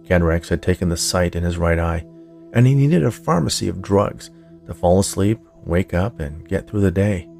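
A man with a low, gravelly voice narrates fiction as a podcast storyteller. His delivery is scripted audiobook reading, with faint music underneath. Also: normal speed, a little mellow.

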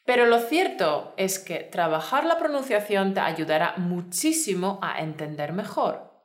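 A woman, giving clear step-by-step instructions in a scripted podcast lesson. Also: mid-range voice, lively intonation, measured pace. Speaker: Spanish teacher. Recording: roomy echo.

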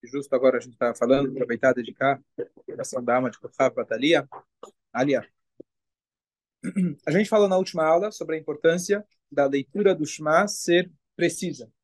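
A man, a rabbi, giving a casual religious lesson, explaining rules in a relaxed, conversational way with humorous asides. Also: a little high.

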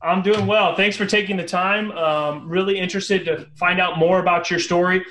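A man hosts a business interview show in an upbeat, casual way. His voice sits a bit high, and he often repeats words and says "um" as he frames his questions. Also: steady tone, moderate pace, fairly bright tone, slight background noise. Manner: upbeat, many fillers and repeats. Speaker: podcast host.

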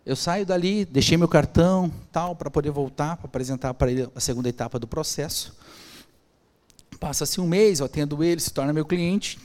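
A man with a Brazilian Portuguese accent telling a personal story as a podcast guest, acting out the dialogue in an animated way. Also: on the high side, normal speed. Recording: long hall reverb.

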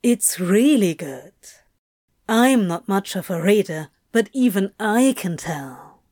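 A woman voicing a laid-back male demon who speaks gently and with understatement. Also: mid-range voice, lively intonation, slow, dry recording, studio quality. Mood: gentle.

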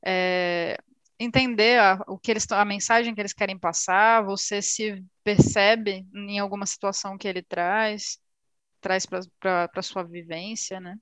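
A woman's voice: medium pitch, steady tone, unhurried, fairly bright tone, clear, resonant tone, no room sound. A woman co-hosting a casual podcast chat, thoughtfully recommending a book set with frequent restarts. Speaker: podcast co-host.

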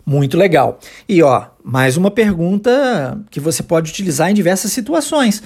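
Husky male English teacher, Portuguese first language, patient, models phrases slowly for students to repeat. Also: high voice, big pitch swings, darkish tone. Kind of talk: podcast English lesson for Portuguese speakers.

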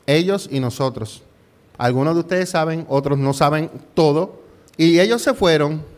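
A middle-aged male pastor preaching a conversational sermon built around a personal story. He keeps asking rhetorical questions, tags his points with "¿verdad?", and slips English words into his Spanish. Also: fairly high pitch.

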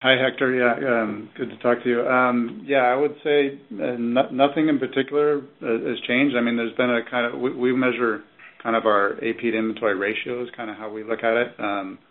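Man, company executive, medium pitch, informal hedging answers, narrow phone audio. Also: fairly even intonation, fairly quick. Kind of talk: spontaneous answer on earnings call.

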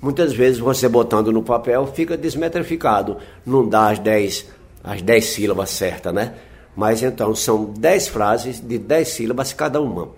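Man, folk singer-poet, reflective interview talk, patient explainer, mid pitch. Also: normal speed. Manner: explains patiently, often adds tag questions.

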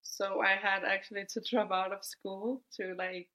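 A woman in her twenties from Denmark, telling her story as a guest in a podcast interview, relaxed and thoughtful. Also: mid-range voice, moderate pace. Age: 20s. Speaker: guest footballer.

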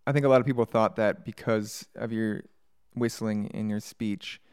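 A man's voice: on the low side, steady tone, moderate pace, a little mellow, clean tone. A man chatting casually with teasing banter as a guest on a podcast. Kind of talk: casual chat.

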